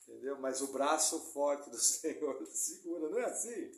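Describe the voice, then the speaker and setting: A male pastor delivers a lively sermon, slipping into jokes and acted-out quotes from his congregation. His voice sits high for a man. The sound rings around a roomy church hall. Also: moderate pace. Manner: lively, joking preaching with mimicked congregation quotes.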